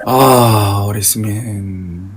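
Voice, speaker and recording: A man's voice: fairly low pitch, brisk, noisy background. A man whose first language is Korean, chatting hesitantly and struggling to find English words. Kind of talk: casual video chat.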